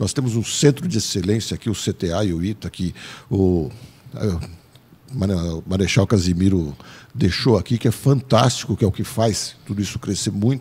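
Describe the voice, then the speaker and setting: A dark, mellow, somewhat breathy voice with lively intonation at a moderate pace, in a very clean recording with a silent background. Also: man, fairly low pitch for a man. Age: 60s. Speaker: Senate candidate, airline pilot and farmer. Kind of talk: radio interview. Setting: studio.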